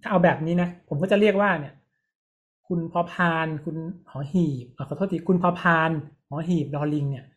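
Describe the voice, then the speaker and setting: A man's voice: high voice, moderate pace, lo-fi sound. Male pastor giving a teaching sermon to his congregation, talks straight to them and keeps checking that they agree.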